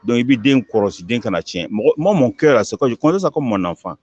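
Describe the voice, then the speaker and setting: Emphatic male imam, lively rising and falling delivery, dull lo-fi recording. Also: mid-range voice, a little fast. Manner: emphatic, animated, repeats words as he builds a point. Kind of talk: interview answer, preaching.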